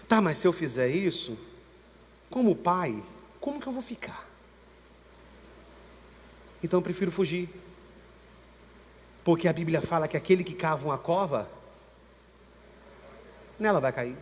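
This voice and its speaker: A Brazilian man with a Brazilian Portuguese accent, preaching a sermon as pastor at a church service with impassioned, slow, emphatic repetition. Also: fairly high pitch, expressive, slight background noise. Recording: church reverb with long echo tail.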